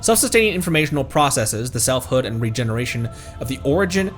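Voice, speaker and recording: A man's voice: mid-range voice, very animated, fast, music in the background. A man streaming a video game, reading its text aloud with asides and stumbling over long words.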